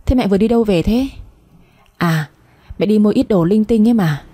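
A woman reading a blunt, sharp-tongued young woman. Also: medium pitch, normal speed, close to an everyday voice. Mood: teasing. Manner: outspoken, mocking.

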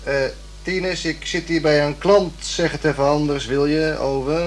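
Man playing young workman, deferential, plain-spoken, slightly high voice, radio drama, faint noise. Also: steady tone, normal speed, close to an everyday voice. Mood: pleading. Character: polite, simple young working-class repairman. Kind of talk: radio play acting. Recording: slightly noisy old radio play recording.

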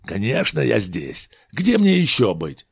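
A man's voice: medium pitch, wildly swooping pitch, a little slow, creaky, slightly rough, no room sound, studio quality, full character voice. A man voicing an argumentative, sardonic old Jewish man in a storybook reading.

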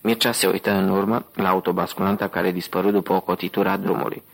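A man narrating an audiobook with a steady, even reading. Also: deep voice, vocal fry, low-quality recording.

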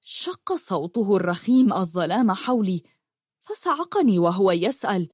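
A woman's voice: mid-range voice, sing-song, normal speed, breathy edge, no echo, clean studio sound. A woman narrating as a frightened prisoner man. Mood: fearful. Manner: tense, dark, fearful. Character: frightened imprisoned man, feverish writer.

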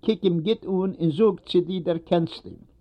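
A man voicing a patient elderly rabbi who questions gently but insistently. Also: high voice, measured pace. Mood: coaxing. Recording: dull lo-fi recording.

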